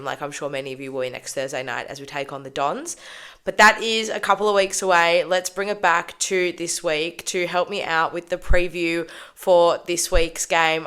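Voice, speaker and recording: A woman's voice: deep voice, clean tone. An Australian woman hosting a fan show, talking casually, nasal and congested from a cold, with frequent ums. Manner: warm, grateful, many ums. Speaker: fan channel host.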